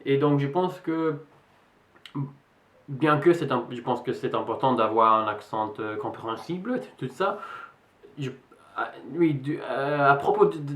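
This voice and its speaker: Young English guy, native English speaker, vlogging in French; halting, filler-heavy delivery; middle pitch; roomy echo. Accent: English speaker in French, slightly American-tinged. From England. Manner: hesitant, many fillers and restarts. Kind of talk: casual vlog talk to camera.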